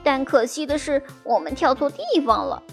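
A woman voicing a timid little boy mouse who trembles with fear, stammers and sometimes shouts, in a children's storybook. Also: high voice, big pitch swings, moderate pace, faint music behind. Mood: anxious. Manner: fearful, trembling, breaks into shouts.

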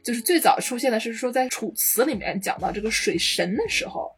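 Fast-talking, playful woman podcaster. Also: fairly high pitch, lively intonation, husky, soft background music. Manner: playful, explains with jokes and wordplay. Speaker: podcast co-host; foreign language teacher. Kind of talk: casual podcast chat.

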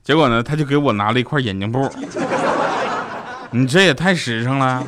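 In a very noisy recording, a man with a mid-range voice hosts a radio show, speaking briskly. His comic monologue strings together short jokes, and he acts out each quoted voice.

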